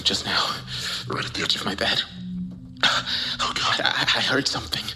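A man's voice: on the low side, steady tone, a little slow. An actor playing a terrified, isolated man who is coming apart, whispering and stammering into an audio log. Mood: frightened.

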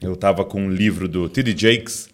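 A man's voice: deep voice, normal speed. A Brazilian man hosting a podcast, curious and chatty, often saying "cara". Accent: Brazilian Portuguese. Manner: curious, interjecting, says "cara" a lot. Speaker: podcast host. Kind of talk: podcast interview.

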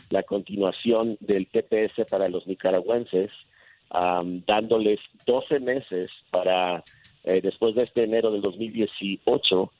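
A male immigration lawyer answering interview questions, halting with many fillers and restarts. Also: lowish voice, dry recording. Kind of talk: casual radio interview answers. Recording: tinny phone line.

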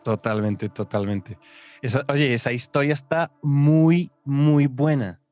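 A man co-hosting a podcast, agreeing warmly and reflecting casually on the story just told. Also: medium pitch, takes it slowly, faint music behind. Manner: agreeable, reacts with short affirmations. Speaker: podcast co-host. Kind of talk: casual chat.

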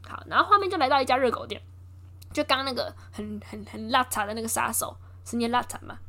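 Lively high-voiced young woman storyteller. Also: fast talker. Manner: lively, acts out quotes with voice shifts and laughs. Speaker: host retelling a film. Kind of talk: casual storytelling chat.

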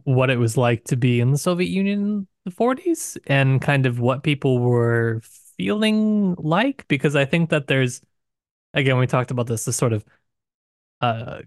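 Low-key thoughtful man, dry close sound. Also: no room sound. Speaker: podcast co-host. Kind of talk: casual book discussion.

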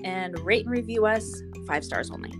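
A woman's voice: mid-range voice, normal speed, over music. Casual, chatty woman co-hosting a podcast. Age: middle-aged. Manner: giggly, chatty, informal. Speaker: podcast co-host. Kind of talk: casual reality TV recap chat.

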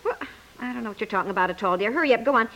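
A woman's voice: fairly high pitch, expressive, very fast, a bit bright. An actress playing a bustling, chatty, easily flustered young housewife and mother in a 1950s radio comedy. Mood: bustling, hurried. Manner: chatty, bustling, calls out to others. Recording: noisy old 1950s radio recording.

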